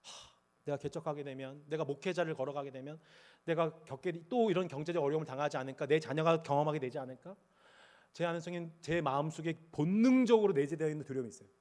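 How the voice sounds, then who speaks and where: A pastor preaching a passionate sermon from the pulpit, moving between loud cries and quiet, confessional talk. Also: male voice, a little high, quick pace. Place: church sanctuary at the pulpit.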